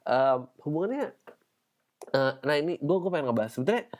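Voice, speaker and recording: A man's voice: fairly high pitch, sing-song, brisk, a little mellow. Playful podcast host man. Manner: playful, laughs often, mimics others' voices. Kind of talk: casual solo podcast chat.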